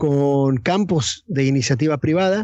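A man talks with ordinary pitch variation. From Tijuana, northern Mexico. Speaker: golf course architect. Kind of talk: interview. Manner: halting, many fillers.

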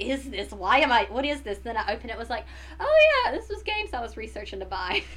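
A woman with an American accent speaking at a very fast pace amid noticeable background noise. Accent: Carolinian Southern US, heavier with family. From North Carolina. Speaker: blogger and board game enthusiast. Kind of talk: casual chat.

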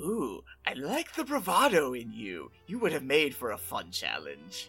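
Putting on a character voice at a fairly high pitch, a man speaks at a moderate pace while faint music plays in the background. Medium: actual play. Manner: courtly, playful, self-assured.

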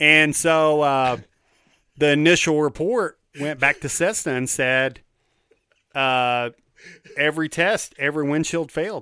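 With a bright, sharp tone, a man speaks at a fairly slow pace and leaves long, frequent pauses. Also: fairly high pitch for a man, ordinary pitch variation. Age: 40s. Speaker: podcast co-host. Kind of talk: casual chat.

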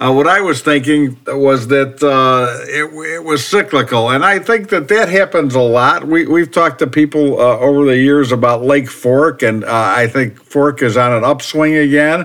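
A man with an American accent speaks at a moderate pace, his fairly high voice showing ordinary pitch variation and hardly any pauses. Noticeable background noise runs underneath. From Chicago. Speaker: fishing podcast host. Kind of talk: interview.

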